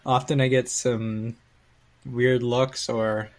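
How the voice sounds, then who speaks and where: A man's voice: medium pitch, level tone, takes it slowly, a little mellow. A young man co-hosting a podcast from a pub, chatting in a laid-back way with casual swearing. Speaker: podcast co-host. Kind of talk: casual chat.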